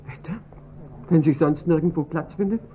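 A woman's voice: sits low, moderate pace, natural voice. A woman playing a shrewd, probing chief pharmacist. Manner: cool, probing, dry. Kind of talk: radio drama acting. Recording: dull lo-fi recording, faint hiss.

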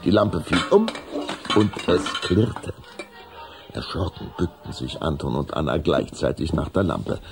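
A man as a measured storybook narrator in a children's audio drama, reading a scripted story. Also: a bass voice, animated, creaky, a little hiss or hum, full character voice. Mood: narrating.

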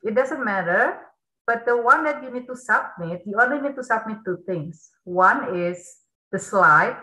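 A woman's voice: a little high, pushed and bright, roomy sound, rough recording. A woman, hosting a webinar for kids and explaining things in a friendly way. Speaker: workshop host. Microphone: video call.

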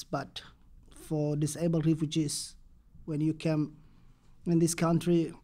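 Giving a panel presentation in English, his second language, a young man from Somalia talks very slowly, pausing and restarting. His voice sits fairly high but comes across soft and dark.

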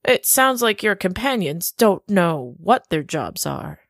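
An actress playing a gracious, slightly secretive woman host in an audio drama, speaking slowly and courteously. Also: medium pitch, big pitch swings, dry recording, clean studio sound.

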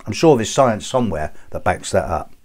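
Low-voiced man joking around. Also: sing-song, moderate pace, darkish tone. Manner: jokey and chatty, telling jokes with relish. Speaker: astrologer. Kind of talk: casual chat to camera.

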